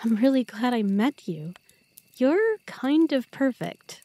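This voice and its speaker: A woman's voice: fairly high pitch, very animated, slow pace, warm tone, no room sound, full character voice. A woman playing an affectionate, earnest young girlfriend in an intimate, chatty roleplay audio drama. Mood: tender. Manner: tender, chatty, playful.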